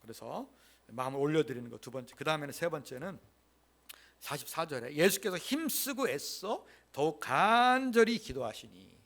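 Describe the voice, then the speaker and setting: A man preaching a Sunday sermon in a church, his voice sitting a little high and swinging widely up and down. He stresses key phrases by repeating them and has the congregation say lines back with him. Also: expressive, normal speed, fairly bright tone. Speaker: pastor. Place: church sanctuary.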